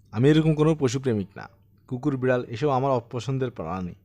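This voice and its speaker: A man's voice: mid-range voice, darkish tone, close to an everyday voice. Man voicing a talkative, courteous old bookish widower. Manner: courteous, conversational storytelling.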